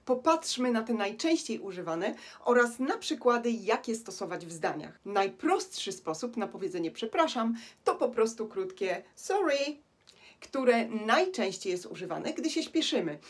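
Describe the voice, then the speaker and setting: A woman from Poland teaching an English lesson, reading example phrases slowly with clear stress on key words. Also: fairly high pitch, sing-song. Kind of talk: language lesson narration.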